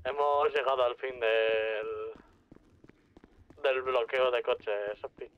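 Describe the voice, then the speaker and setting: A man's voice: mid-range voice, fairly even intonation, slow pace, clean tone, dull audio. A man reporting to teammates over a radio in a game roleplay. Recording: band-limited radio line with tones.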